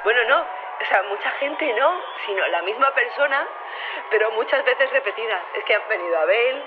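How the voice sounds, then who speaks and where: A woman's voice: on the high side, expressive, normal speed, over a noisy crowd, natural voice. A woman playing an overjoyed, emotional interviewee in an audio drama, gushing and repeating herself. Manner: gushing, breathless repetition. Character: emotional, overjoyed young woman celebrating a vote. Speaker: interviewee on a news bulletin. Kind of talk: audio drama news call. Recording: tinny phone line with noisy background.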